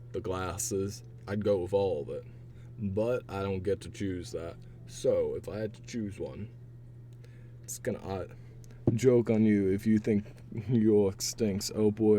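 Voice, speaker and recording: Hoarse young man with a raspy voice. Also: fairly low pitch, mellow, a little hiss or hum. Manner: chatty, rambling, laughs to himself. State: hoarse, voice partly gone. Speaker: streamer. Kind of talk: casual chat while taking online quizzes.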